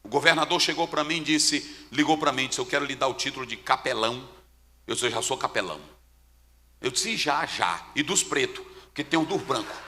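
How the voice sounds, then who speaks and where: Male Brazilian pastor, bright forceful voice, lively pitch, dramatic sermon storytelling, hall reverb. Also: fairly quick. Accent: Brazilian Portuguese. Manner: dramatic storytelling, swings from hushed to shouting. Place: church.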